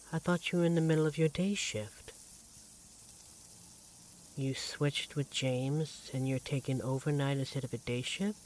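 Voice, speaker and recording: A man playing an affectionate, devoted vampire partner in a roleplay audio drama, speaking in a tender, gently teasing, conversational way. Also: medium pitch. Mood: surprised, curious. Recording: clearly audible background noise, sizzling kitchen effects.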